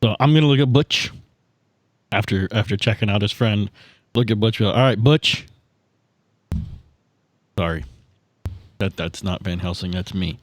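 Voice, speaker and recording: A man's voice: on the low side, measured pace, long pauses, no room sound, clean studio sound. A man chatting casually as a player in a tabletop game podcast. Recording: music behind.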